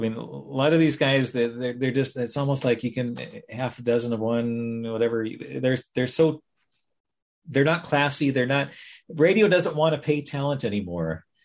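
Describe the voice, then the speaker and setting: Over a quiet background, a man of medium pitch speaks in a plain, everyday voice with ordinary pitch variation. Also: moderate pace. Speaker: podcast co-host and radio columnist. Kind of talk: casual chat.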